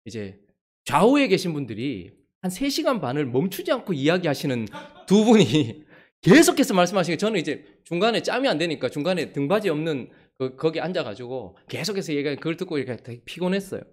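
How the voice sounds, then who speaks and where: Guy pastor telling a story in his sermon, kinda high voice, super lively, acts out everyone he quotes. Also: a little fast. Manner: animated storytelling, acting out the people he quotes. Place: church.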